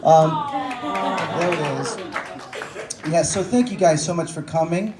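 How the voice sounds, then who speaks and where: A man's voice: a little high, animated, measured pace. Joking storytelling man in echoey bookstore. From Texas. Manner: self-deprecating, joking, conversational with many fillers. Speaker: author. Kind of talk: storytelling talk at a book event. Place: bookstore event room. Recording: echoey room, faint noise.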